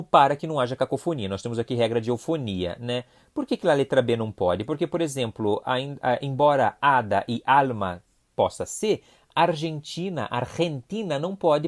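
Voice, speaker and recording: A Brazilian man walks through exam questions at a mid pitch, patient and methodical. He keeps checking that listeners follow with quick tag questions, steady like a classroom teacher. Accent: Brazilian Portuguese. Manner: explains patiently, checks in with "né?" and "sim?". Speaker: Spanish teacher. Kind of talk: recorded review lesson.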